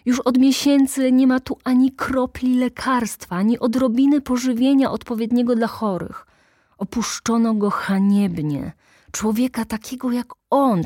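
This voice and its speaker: Young male devotee, frantic and pleading, as a woman reads him; slow, dry close-mic read. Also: a little mellow, dry recording, exaggerated voice. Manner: breathless, pitch climbing with distress.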